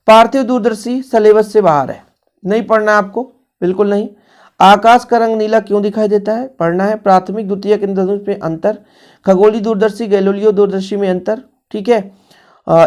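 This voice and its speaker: A man's voice: high-pitched, a little mellow. A male physics teacher, going over exam revision questions in a casual, brotherly tone and talking straight to his students.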